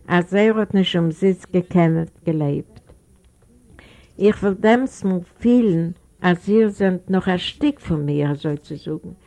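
A woman's voice: medium pitch, warm tone. A woman voicing a broken old man who pleads earnestly.

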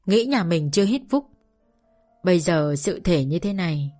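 A woman voicing a gentle grieving father. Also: on the low side, lively intonation, moderate pace, soft background music. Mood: sorrowful. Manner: soft, pleading, sighing. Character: gentle sorrowful father, older man.

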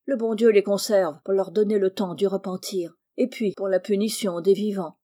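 A woman reading the part of a frank, sharp-witted servant woman who speaks briskly and dryly. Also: medium pitch, fairly even intonation, lightly acted.

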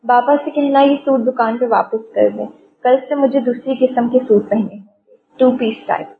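Brief: eager, deferential young man, read by a woman, high-pitched, tinny audio. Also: steady tone, gravelly. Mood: dejected. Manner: polite, deferential. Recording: tinny phone-like audio, faint hiss.

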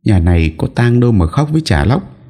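A man's voice: lowish voice, sing-song, brisk, dark tone, voice pushed up. A man voicing a haughty, greedy young woman healer who talks to the poor with scorn and curt words. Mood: scornful.

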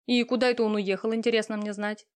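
A woman voicing a pushy, talkative young female friend who teases and lectures loudly. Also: mid-range voice, fairly even intonation, fast talker, clear, resonant tone, natural voice. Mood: bossy. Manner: loud, teasing, talkative.

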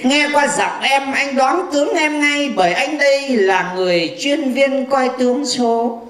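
A man's voice: very high-pitched, expressive, unhurried, fairly bright tone, exaggerated voice. A man playing a boastful, teasing blind fortune teller in a stage comedy skit. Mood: flirty. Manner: bragging, teasing, insulting banter. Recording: echoey live stage with audience.

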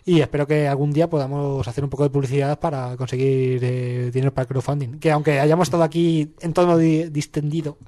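Male game-designer guest, a bit high-pitched, rambling and self-deprecating on a radio chat. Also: flat delivery, quick pace, hardly any pauses, warm tone. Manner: self-mocking, rambling, laughs easily. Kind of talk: casual radio interview.

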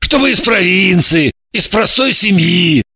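A man's voice: high voice, lively intonation, unhurried, full character voice. A man voicing a blunt, impatient male spy handler in his thirties, reading an audiobook. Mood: explaining. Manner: blunt, impatient, gravelly and shouting.

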